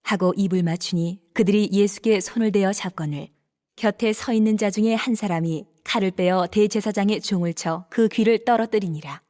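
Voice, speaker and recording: A woman's voice: medium pitch, moderate pace. Woman narrating scripture steadily. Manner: steady, even storytelling.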